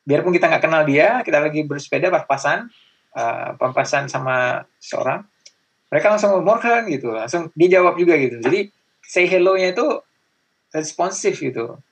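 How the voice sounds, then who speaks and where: A young man talking in a relaxed conversational way, with lots of fillers, acting out the greetings he describes. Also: fairly high pitch, moderate pace, long pauses, breathy edge. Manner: chatty, many fillers, acts out greetings. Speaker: guest. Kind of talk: casual chat.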